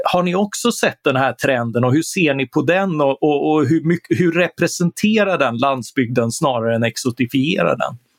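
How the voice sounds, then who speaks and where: A man with a fairly high pitch and lively intonation talks with hardly any pauses, the sound dry and close with no echo. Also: moderate pace, very even loudness. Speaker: podcast host, editorial writer. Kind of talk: podcast discussion.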